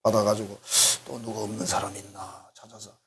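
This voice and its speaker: A man's voice: on the high side, sing-song, brisk, a little hiss or hum. A middle-aged male pastor, preaching a sermon in a chatty, joking way and acting out small dialogues. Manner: conversational, joking, acts out little dialogues. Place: church sanctuary.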